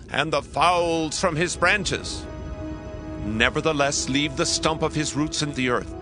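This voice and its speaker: An actor playing a proud, grandiose king of Babylon in a dramatized scripture reading, declaiming dramatically. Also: a little high. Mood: booming command.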